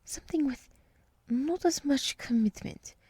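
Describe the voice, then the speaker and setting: A woman voicing a gentle, nurturing deer woman in an ASMR roleplay, speaking softly in half-whispers with soothing, reassuring pauses. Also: high voice, no echo. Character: gentle, nurturing deer woman, encouraging forest monster girl.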